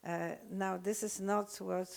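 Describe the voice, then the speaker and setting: Slow, gravelly older woman lecturer. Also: mid-range voice, level tone. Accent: Polish. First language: Polish. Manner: hesitant, many fillers and restarts. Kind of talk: unscripted lecture talk.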